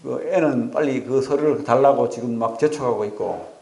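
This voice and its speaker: A male pastor preaching a sermon, telling stories with animated asides and rhetorical questions to the congregation. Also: medium pitch, moderate pace, gravelly, echoey room. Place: church sanctuary.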